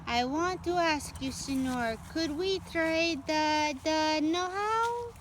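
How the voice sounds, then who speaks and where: Woman reading as an eager young Hispanic sailor, high voice. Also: slight background noise. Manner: halting foreign-phrased speech with Spanish words. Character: slim young Hispanic sailor man, soft-spoken, eager, purring.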